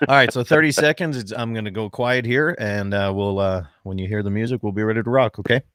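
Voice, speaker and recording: A man hosting an outdoors radio show from his ranch porch, telling folksy jokes and opening the show in a loud, upbeat on-air voice. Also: fairly low pitch, fast talker, clear, resonant tone, no room sound, studio quality. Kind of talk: casual chat, then radio show opening.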